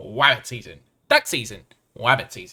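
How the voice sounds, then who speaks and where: A soft-spoken, raspy man in a put-on character voice, medium in pitch, at a moderate pace. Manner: cartoonish.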